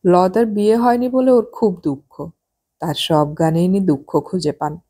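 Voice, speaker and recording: Lady doing a wife who mocks her husband a bit, mellow and husky, audiobook. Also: fairly low pitch, a little slow. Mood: teasing. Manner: teasing, sharp-tongued. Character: wry, scolding middle-aged wife.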